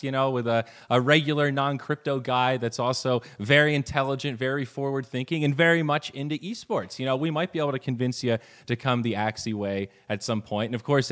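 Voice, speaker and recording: A man's voice: mid-range voice, a bit bright. A man hosting a casual podcast, talking in a laid-back, slangy way. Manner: laid-back, slangy, uses "dude" and "bro". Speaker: podcast host.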